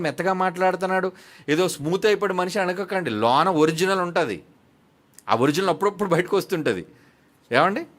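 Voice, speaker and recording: A man preaching a sermon who swings between soft and loud, fires off rhetorical questions, and reads scripture slowly and emphatically. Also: fairly high pitch.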